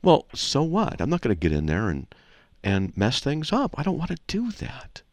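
A man hosting a Christian call-in radio show, talking casually and frankly as he teaches and tells stories in an animated way. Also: medium pitch, moderate pace, no echo. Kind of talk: casual conversational teaching and anecdotes.

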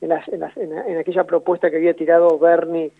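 A man with an Argentine accent, a radio guest giving measured, analytical answers and often rephrasing himself. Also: a little high, little pitch movement, vocal fry, dry recording. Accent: Argentine Spanish. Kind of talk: radio phone interview. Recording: tinny phone line on radio.

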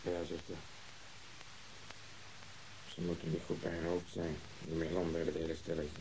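Gruff, impatient policeman, creaky voice, radio drama with heavy hiss. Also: very deep voice, completely flat delivery, normal speed. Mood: grumbling. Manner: blustering, swearing, impatient. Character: gruff, hot-tempered policeman laid up under a nurse's care. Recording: hissy, noisy old radio recording.

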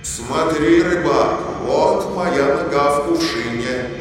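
A man voicing a huge, wrathful male genie trapped in a jug, speaking in a slow, drawn-out, threatening way with a cavernous echo effect. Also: a little high, music in the background. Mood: boastful. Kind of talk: audiobook fairy-tale acting. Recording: echoey, reverberant, distant-sounding.

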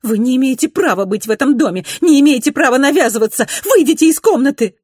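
A woman's voice: high voice, expressive, brisk, no echo, clean studio sound, voice pushed up. A woman reader voicing a haughty, jealous society lady who turns indignant and imperious. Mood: furious shouting.

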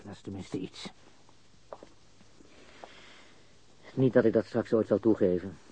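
An actor playing a baffled, cocky and coarse murder suspect in a radio crime drama, stammering and repeating words. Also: male voice, fairly low pitch, fairly quick, warm tone, slight background noise, natural voice. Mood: mocking, relieved. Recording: dull, lo-fi radio recording.

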